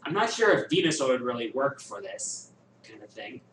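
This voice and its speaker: A man's voice: mid-range voice, sing-song, a bit bright, far from the mic, slight background noise. Rambling man in an echoey room. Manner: musing, thinks aloud with many pauses. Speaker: host answering viewer questions. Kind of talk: casual chat. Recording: echoey room, voice a bit off-mic, faint ambience.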